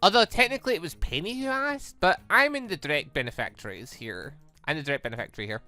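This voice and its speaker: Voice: mid-range voice, expressive, quick pace, pushed and bright, soft background music. Performer voicing a wary, earnest young protagonist. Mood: awed, earnest. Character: wary, awed young visual novel protagonist.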